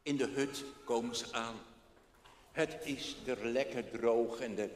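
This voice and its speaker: Slow, expressive male storyteller. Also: mid-range voice, a little hiss or hum. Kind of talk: children's story reading. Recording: echoey hall, faint background.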